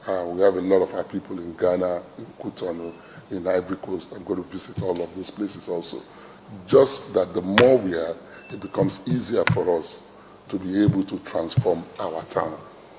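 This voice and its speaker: A man's very deep, low pitch with ordinary variation, big swings in loudness and a moderate pace over noticeable background noise. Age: 60s. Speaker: traditional ruler. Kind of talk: formal speech to hosts. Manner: hesitant with many fillers.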